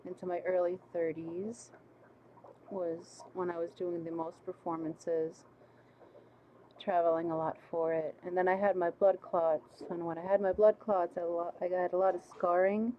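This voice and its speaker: A woman with a small, squeaky voice hosting a casual livestream, chatting, laughing easily and reading viewer comments aloud. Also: dark tone, a little hiss or hum. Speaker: livestream host. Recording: slightly muffled lo-fi stream audio.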